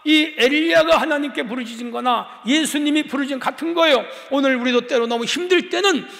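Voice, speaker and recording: A male pastor preaching an impassioned sermon, swinging between hushed and raised passages. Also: very high voice, fairly quick, creaky. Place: church sanctuary. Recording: long church hall reverb.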